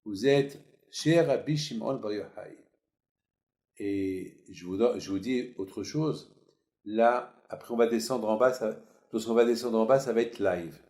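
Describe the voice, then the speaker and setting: A man's voice: lowish voice, measured pace, darkish tone. A man, a rabbi, giving a sermon with emphatic, repetitive phrasing. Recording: echoey room.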